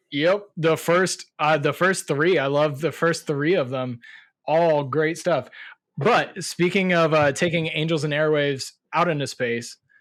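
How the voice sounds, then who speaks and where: On a very clean recording with a silent background, a man with an unremarkable speaking voice talks at a fairly slow pace, his fairly high pitch kept in fairly even intonation. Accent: American. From Indiana. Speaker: podcast host. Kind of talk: casual chat.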